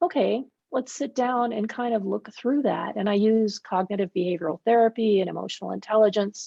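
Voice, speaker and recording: Delivered at a fairly quick pace with ordinary pitch variation, a plain, everyday voice speaks in an American accent. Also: woman, fairly high pitch for a woman. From US Midwest (northern Wisconsin). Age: 60s. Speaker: mindfulness coach and author. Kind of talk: interview conversation.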